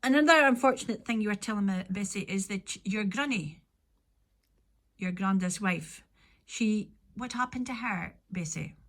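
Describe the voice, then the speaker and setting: A woman's voice: medium pitch, normal speed, fairly bright tone. A woman from north-east Scotland with a Doric accent, interviewing informally in a chatty, encouraging way, often repeating and affirming. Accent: north-east Scottish Doric.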